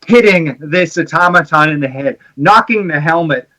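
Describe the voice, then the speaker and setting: A man runs a tabletop game as game master. His voice is bright and a little high for a man, and he narrates the action with dramatic relish. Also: lively intonation, normal speed.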